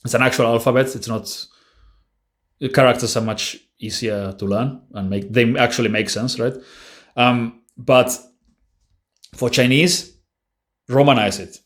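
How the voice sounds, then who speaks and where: A man's voice: medium pitch, fairly even intonation, unhurried, long pauses. A man hosting a casual language-learning Q&A, answering viewer questions bluntly and offhandedly with frequent restarts. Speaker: language-learning channel host.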